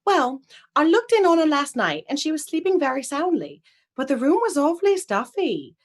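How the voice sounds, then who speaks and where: An actress playing a chirpy, chatty household maid who is pleased with herself, in a radio play. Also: female voice, sits high, sing-song, moderate pace. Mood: chirpy, proud. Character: chirpy, self-satisfied female household maid. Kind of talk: theatrical radio drama acting.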